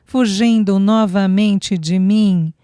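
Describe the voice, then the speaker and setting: A woman's voice: fairly low pitch, measured pace, mellow, dry recording, studio quality, natural voice. A woman doing a fondly scolding nanny. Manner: mildly scolding, affectionate.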